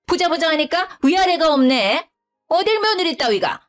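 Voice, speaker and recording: A woman's voice: extremely high pitch, big pitch swings, normal speed, faint music behind, voice pushed up. A woman voicing a domineering, nagging older mother-in-law who talks down to her daughter-in-law. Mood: indignant. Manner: scolding, condescending.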